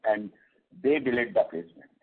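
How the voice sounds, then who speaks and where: A man with an Indian accent giving company commentary and answers on an earnings call, halting and repeating words. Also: on the low side, breathy edge. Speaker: company executive. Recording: muffled, tinny conference phone line.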